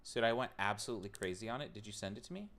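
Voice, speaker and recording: A man races through his words in an animated, fairly bright voice that sits on the low side. He's streaming a robot build, chatting casually with viewers, rambling and teasing himself as he works.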